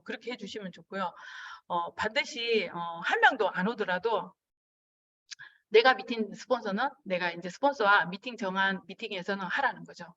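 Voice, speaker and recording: A woman giving a business seminar lecture in an animated way, acting out the dialogues she describes. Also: mid-range voice, far from the mic, muffled recording. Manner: animated, acts out quoted dialogue.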